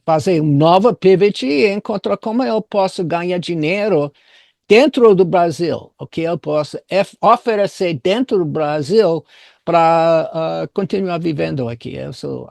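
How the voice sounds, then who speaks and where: Older American man, high-pitched gravelly voice. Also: a little mellow, no echo, studio quality. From United States. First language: English. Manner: halting, searching for words in non-native Portuguese. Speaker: business consultant interviewed as guest. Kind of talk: conversational interview storytelling.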